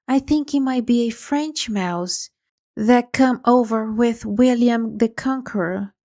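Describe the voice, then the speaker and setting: A woman voicing a polite, curious young girl in a storybook, speaking gently and earnestly. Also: a little high, takes it slowly.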